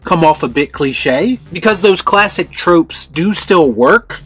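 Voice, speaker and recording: A man's voice: a little high, expressive, slow, a bit bright. A man hosting a video film review with scripted commentary. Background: background music.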